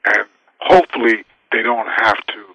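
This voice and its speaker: Male guest advisor, emphatic, sharp tense tone, dry sound. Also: on the low side, normal speed, no room sound, rough recording. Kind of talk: interview answers.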